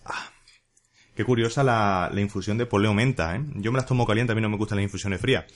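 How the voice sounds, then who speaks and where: A man's voice: on the low side, fast talker. A man hosting a casual solo podcast, chatty and jokey with playful asides. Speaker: podcast host.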